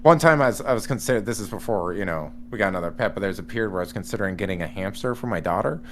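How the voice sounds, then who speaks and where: A man in casual podcast chat, talking in an animated, rambling way with many restarts. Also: fairly low pitch, rapid-fire, a little hiss or hum. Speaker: podcast guest.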